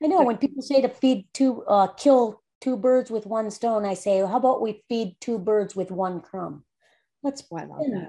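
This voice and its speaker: With a dark, mellow tone, a woman speaks at a moderate pace in a fairly high pitch and lively intonation. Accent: American. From northern Michigan. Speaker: co-host. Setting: video call.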